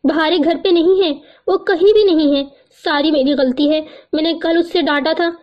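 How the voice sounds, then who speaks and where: A woman voicing an anxious, tearful young woman who speaks with upset urgency. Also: very high-pitched. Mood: distressed. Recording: muffled lo-fi recording.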